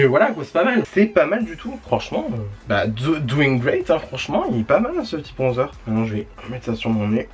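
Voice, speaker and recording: A man in a mid-range voice talks through a makeup review from home. His chat is loose and rambling, full of fillers and slang, and he often laughs at himself. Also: mid-range voice. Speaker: beauty vlogger.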